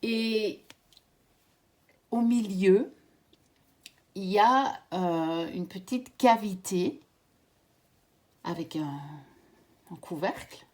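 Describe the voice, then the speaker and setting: A woman from Belgium hosting her own channel and presenting card decks in a gentle, measured way, pausing now and then with fillers. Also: lowish voice. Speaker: tarot and oracle card channel host. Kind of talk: casual card deck presentation.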